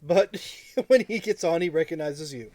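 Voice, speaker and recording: A man with a fairly high voice narrates a tabletop game as its game master. He improvises casually and haltingly, pausing as he builds the scene. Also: expressive, mellow.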